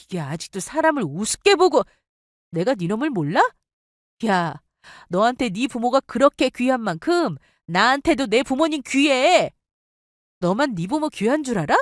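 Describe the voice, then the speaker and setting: A woman voicing a furious wife who scolds with sharp contempt. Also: fairly high pitch, very animated, normal speed, no room sound, clean studio sound. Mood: scornful.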